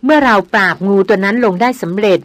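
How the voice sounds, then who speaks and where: A woman's voice: medium pitch, quick pace, dry recording, close to an everyday voice. A woman reading the lines of a bold young woman in a hunting party who speaks sternly and demands promises.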